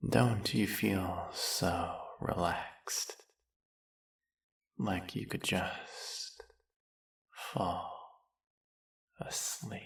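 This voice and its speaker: A man voicing a silky, gravelly snake villain. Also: deep voice, drawn-out words, pauses often, full character voice. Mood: hypnotic. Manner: silky, coaxing, soft-spoken and purring. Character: smooth-talking snake-headed male villain, hypnotist. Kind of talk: audio roleplay.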